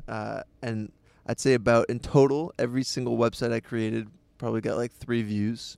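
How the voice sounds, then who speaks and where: An unremarkable speaking voice moves at a moderate pace, its intonation fairly even. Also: man, medium pitch for a man. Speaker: YouTube creator. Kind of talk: casual chat.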